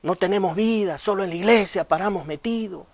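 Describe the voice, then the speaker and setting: A man's voice: sits high, brisk, no room sound, pitched above the performer's own voice, lightly acted. A man doing a whiny churchgoer making excuses. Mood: grumbling. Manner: whiny, complaining.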